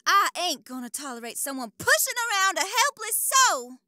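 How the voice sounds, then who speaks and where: A woman's voice: very high voice, sing-song, normal speed, pushed and bright, slight background noise, heavily acted. A woman playing a plucky, defiant young heroine in an audio drama, with a folksy Southern US accent and a feisty manner. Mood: indignant, defiant.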